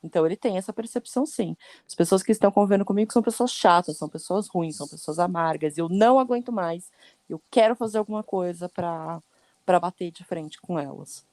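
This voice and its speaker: A woman's voice: fairly low pitch, a little fast, darkish tone, no room sound. A woman, co-hosting a podcast, explaining points earnestly in lists. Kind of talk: explanatory conversation.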